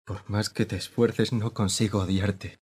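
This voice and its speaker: A man voices an anguished young former pupil in a radio play. His voice is low and husky, and he presses each line in a pained, pleading way. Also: flat delivery, measured pace, a little mellow. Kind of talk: radio drama acting.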